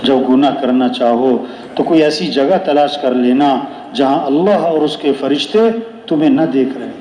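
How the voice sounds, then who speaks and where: A man's voice: medium pitch, unhurried, dark tone, a little hiss or hum. A man preaching a Muslim sermon of moral counsel, repeating phrases for emphasis and posing rhetorical questions. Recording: echoey, reverberant room sound.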